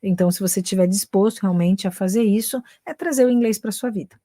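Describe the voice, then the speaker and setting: A woman's voice: medium pitch, fast talker, dark tone, dry recording, studio quality. A woman from Brazil with a Brazilian Portuguese accent, giving a casual live-stream English lesson, chatty and dropping English phrases into her talk. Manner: chatty, tags sentences with "né" and mixes in English phrases. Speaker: English teacher.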